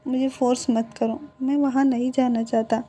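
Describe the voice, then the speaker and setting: A woman's voice: high-pitched, flat delivery, moderate pace, warm tone. Woman voicing a stubborn grown son. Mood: refusing. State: hoarse throat. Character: stubborn grown son refusing his mother.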